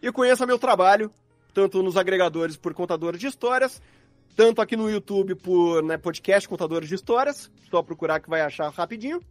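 A man's voice: high voice, brisk, no room sound, faint music behind. A man with a Brazilian Portuguese accent chatting casually as a guest in a live podcast interview. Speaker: podcast guest, audio drama producer.

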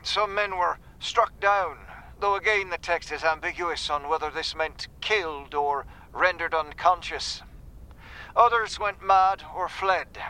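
Scholarly man reading translation notes, measured and academic, bright and crisp , played by a man. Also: high voice, rough recording. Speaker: translator's commentary reader. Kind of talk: document reading in audio drama.

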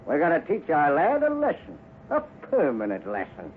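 Ruthless villain colonel, sneering, high voice, lively swings, tinny old radio, hiss. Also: male voice, normal speed. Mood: cruel. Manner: menacing, sneering, shouts in a struggle. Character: scheming villainous male colonel, cold and ruthless. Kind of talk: 1950s radio drama acting.

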